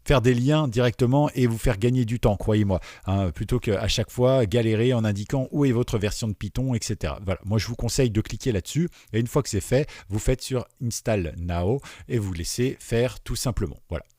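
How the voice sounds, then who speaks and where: A man giving a relaxed, screen-recorded tutorial, chatty and digressive, with many fillers and repeated words. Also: medium pitch, fairly quick, few pauses, no room sound, clean studio sound. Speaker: teacher.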